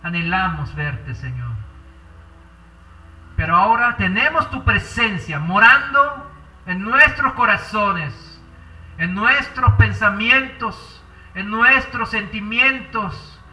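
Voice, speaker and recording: A man preaching a sermon and leading a prayer, fervent, drawing out key words slowly. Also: sits high, animated, sharp tone, faint music behind. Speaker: pastor. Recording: roomy echo, far from the mic.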